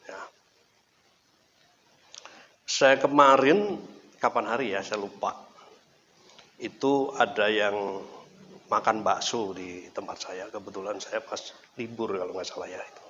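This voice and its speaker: A man's voice: fairly low pitch, fairly even intonation, unhurried, long pauses, fairly bright tone, a little hiss or hum. A man with an East Javanese accent, giving a casual, conversational sermon full of anecdotes and repeated words. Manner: chatty, anecdotal storytelling with repetition. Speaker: preacher. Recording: dull lo-fi recording.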